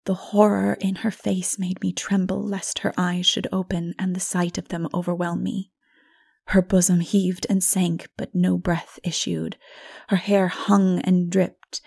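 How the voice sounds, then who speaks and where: A woman narrating a dark fantasy audiobook dramatically, in a solemn, measured manner that is hushed at times. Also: on the low side, level tone, gravelly, husky.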